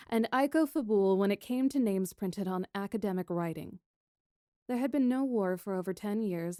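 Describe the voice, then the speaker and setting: A woman's voice: mid-range voice, a little mellow, no echo, studio quality, natural voice. A woman playing a spirited, wry nineteen-year-old princess engineer, telling her story theatrically in a fantasy audio drama. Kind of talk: first-person scripted narration, fan audio fiction.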